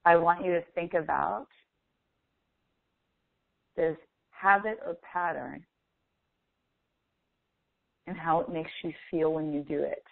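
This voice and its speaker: Thin phone-like audio, dry sound, woman, mid-pitched voice, guided meditation, deliberate instructions, long pauses. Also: fairly even intonation, vocal fry, no echo.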